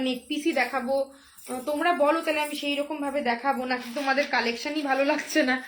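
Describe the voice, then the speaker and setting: Hoarse, high-voiced woman; live jewellery seller; chatty, repetitive pitch with lots of fillers. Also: a bit bright, slight background noise. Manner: repetitive, chatty, drawn-out phrasing with many fillers.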